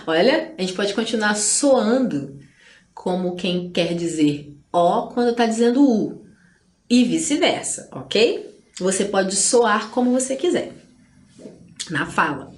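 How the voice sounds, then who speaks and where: A woman's voice: mid-range voice, echoey room. A woman from Espírito Santo, Brazil, teaching an exam-prep lesson in a chatty way, with playful asides and many tag questions. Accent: Brazilian Portuguese, Espírito Santo.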